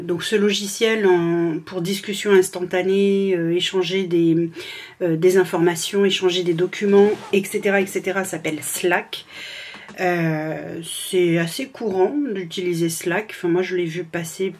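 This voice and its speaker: A woman's voice: fairly low pitch, fairly even intonation, unhurried. A woman from France, a freelance administrative assistant, chatting casually in a vlog from home with a sore throat, hesitant with many fillers and restarts.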